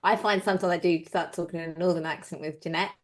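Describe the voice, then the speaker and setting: A woman's voice: on the low side, fairly even intonation, fast talker. A woman in a casual panel discussion who thinks aloud, tentatively posing questions. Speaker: panel guest.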